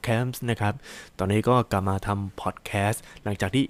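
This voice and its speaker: A man's voice: on the low side, fairly even intonation, moderate pace. A man hosting his own solo podcast, talking casually in a rambling, chatty way with lots of fillers and exclamations. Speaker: podcast host.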